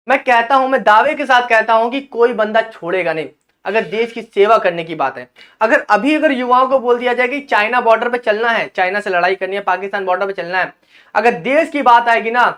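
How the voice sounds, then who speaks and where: A man with a very high, fairly bright voice hosts an educational channel, passionately explaining a document. Addressing his audience as brother, he reads English clauses out slowly.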